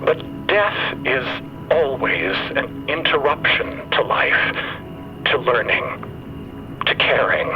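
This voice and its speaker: Gentle mourning machine, slow halting delivery, formal and earnest, slightly boxy narrow sound, music underneath. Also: male voice, medium pitch, lively intonation. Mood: mournful reflection. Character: gentle, grieving machine crewmate with bellows, eulogizing friends. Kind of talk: solemn eulogy in audio drama.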